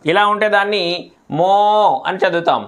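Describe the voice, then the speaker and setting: High-voiced man slowly spelling syllables. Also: a bit bright. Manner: patient, syllable by syllable, repeats words. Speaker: Telugu reading teacher. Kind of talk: slow spelling-out lesson.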